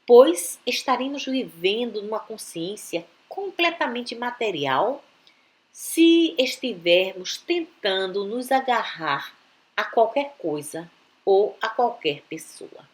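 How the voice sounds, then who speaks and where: A woman giving a calm, deliberate reading of a spiritual text, with long pauses between phrases. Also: mid-range voice. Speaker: reader of spiritual teachings.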